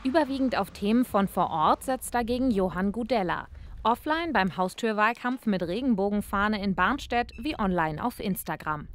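A woman narrating a scripted regional news report in an even, measured way. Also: medium pitch, a little hiss or hum.

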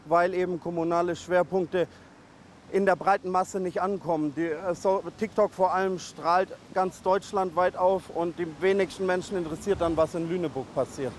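Blunt man with a high voice. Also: steady tone, normal speed, a little hiss or hum. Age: 30s. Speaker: local political candidate. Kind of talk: interview statement.

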